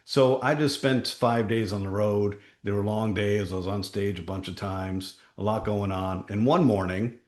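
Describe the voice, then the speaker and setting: A man with a deep voice hosting a town hall as a company chief, telling stories with emphatic, punchy short phrases. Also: steady tone, normal speed, hardly any pauses. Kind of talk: conversational town-hall talk with anecdotes.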